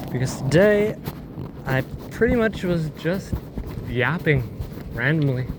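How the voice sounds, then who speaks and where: Over noticeable background noise, a man with a fairly high pitch and lively intonation speaks at a fairly slow pace with long, frequent pauses. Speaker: vlogger. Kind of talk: casual walking vlog monologue. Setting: outdoors at night, walking. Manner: slurred words.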